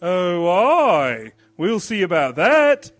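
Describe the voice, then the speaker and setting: A man voicing a grumpy, belligerent male neighbor who talks in a loud, gruff, complaining way. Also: high-pitched, big pitch swings, very slow, faint music behind, voice pushed up, heavily acted. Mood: irate. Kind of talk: audiobook character voice.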